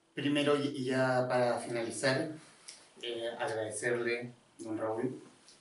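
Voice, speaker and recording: With audible room echo, a man speaks very slowly at a medium pitch in a monotone, flat manner. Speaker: podcast host. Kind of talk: interview. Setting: live session with audience.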